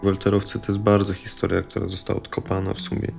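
A man with a low voice full of creaky fry speaks informally in an interview. He pauses and picks his way through the sentences. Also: monotone, music in the background. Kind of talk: casual interview talk.

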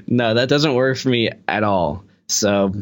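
A man's voice: mid-range voice, animated, unhurried. A young man talking as a guest musician on a podcast, rambling casually with a lot of "like" in his sentences. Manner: rambling, heavy use of filler "like".

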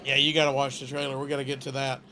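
A man's voice: medium pitch, monotone, rapid-fire, bright, forceful tone. A man co-hosting casual comedic banter in a playful, joking way, with some background noise. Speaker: co-host.

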